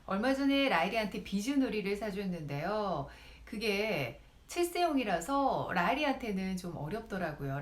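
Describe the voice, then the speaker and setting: A woman speech lecturer and YouTuber giving advice, speaking directly to her viewers. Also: mid-range voice. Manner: lively, directly addresses viewers. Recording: roomy echo.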